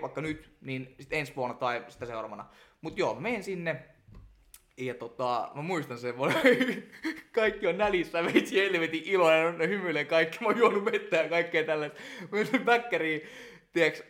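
Young male guest, slightly high-pitched, lively anecdotal chatter with frequent laughs. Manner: animated storyteller, laughs often, many fillers. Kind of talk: casual chat.

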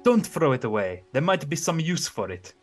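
A man's voice: a little high, very animated, moderate pace, soft background music, voice pushed up. Patient old woodcarver dad, man doing the voice, raised and emphatic, slightly scolding. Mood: fatherly.

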